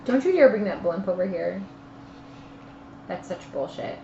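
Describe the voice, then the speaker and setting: A woman's voice: mid-range voice, lively intonation, a little slow, gravelly, dark tone, slight background noise. A woman chatting casually and bluntly as a player in a tabletop game, joking with the group. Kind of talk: casual banter during a tabletop game stream. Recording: roomy, muffled audio with other voices around.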